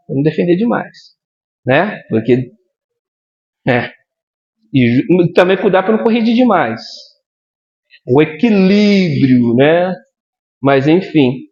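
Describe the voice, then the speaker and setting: Brief: male pastor, animated sermon delivery, high and lively pitch, muffled lo-fi church recording. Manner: animated, addresses the congregation directly with frequent "amém?".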